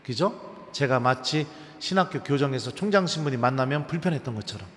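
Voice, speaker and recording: A man's voice: medium pitch, brisk. A man, a Catholic priest, giving a lecture to a live audience and telling funny stories while quizzing his listeners. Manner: lively humorous storytelling with quiz questions to the audience. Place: large cathedral. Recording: long cathedral reverb.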